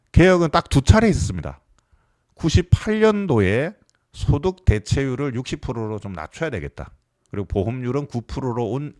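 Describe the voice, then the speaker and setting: A man's voice: mid-range voice, darkish tone, dry recording, studio quality. A man in his fifties giving a live explanatory lecture, putting questions to his listeners. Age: 50s. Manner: explanatory, asks the audience questions. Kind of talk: live lecture on pension reform.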